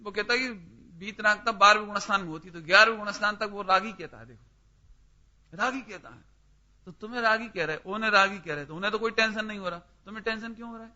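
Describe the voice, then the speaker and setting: A man's voice: high-pitched, fast talker, bright, forceful tone. A man teaching a scripture study class, questioning his listeners by name and pressing each point emphatically. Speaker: religious teacher. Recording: dull lo-fi recording.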